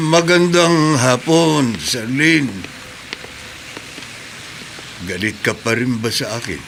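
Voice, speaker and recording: An actor playing a grieving, gentle middle-aged Muslim man in a radio drama, talking slowly and sorrowfully. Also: mid-range voice, expressive, gravelly, noisy background. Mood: brooding. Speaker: neighbor. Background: background music.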